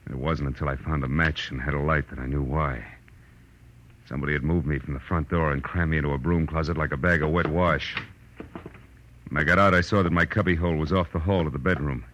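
An actor playing a wry, world-weary private detective, narrating and talking in a terse, deadpan 1940s radio noir style. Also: male voice, extremely low pitch, fast. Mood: wry, tense narration. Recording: noisy, muffled vintage radio recording.

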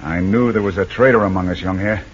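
An actor playing a commanding male jungle adventurer who leads a raid, giving brisk, clipped orders in 1940s radio style. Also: sits low, close to an everyday voice. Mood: steady. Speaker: squad leader. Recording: dull, hissy old radio recording.

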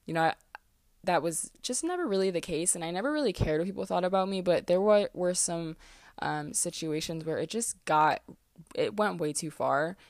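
A woman's voice: lowish voice, lively intonation, normal speed, dry recording, clean studio sound. A woman in her twenties from the East Coast, hosting a casual solo podcast and talking candidly, with many fillers and restarts. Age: 20s. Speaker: podcast host. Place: closet, small room.

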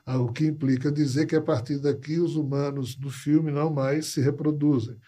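Guy, kinda high voice but mellow and husky, tells stories and acts out the quotes. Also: steady tone, moderate pace. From Natal, Brazil. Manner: storytelling, acts out quoted dialogue. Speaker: podcast guest, writer and ufologist. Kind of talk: casual conversational explanation.

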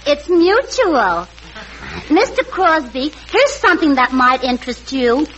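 A woman's voice: high voice, big pitch swings, measured pace. An actress playing a tactless, man-crazy tavern owner's daughter in 1940s radio comedy, blunt in her put-downs. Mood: gushing, then blunt. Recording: noisy, dull 1940s radio recording.

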